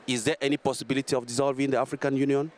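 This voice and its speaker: A man's voice: mid-range voice, little pitch movement, racing. A man from Cameroon in a forum audience, who speaks earnestly and rambles before he reaches his question.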